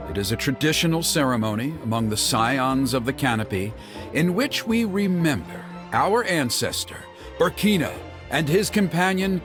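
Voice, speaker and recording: An actor playing a middle-aged father and tribal elder in a video game, protective and formal in manner. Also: a little high. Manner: formal, expressive, hesitant when flustered. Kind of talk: English video game voice acting. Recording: game music behind the voice. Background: game background music.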